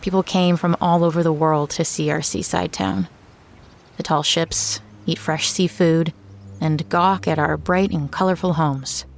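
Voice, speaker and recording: A wary woman from a small town, telling her story in an audio drama. Her voice sits a little low and sounds subdued and matter-of-fact. Faint ambient noise runs behind her. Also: steady tone, measured pace, gravelly. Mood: wistful, sober. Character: wary local woman back in her declining hometown. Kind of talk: first-person audio drama narration.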